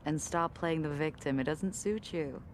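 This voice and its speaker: An actress playing the calm, teasing partner of a racing driver, speaking softly and reassuringly in a game cutscene. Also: female voice, deep voice, normal speed, slight background noise, lightly acted. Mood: firm. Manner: gentle, soft-spoken reassurance. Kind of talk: video game cutscene acting.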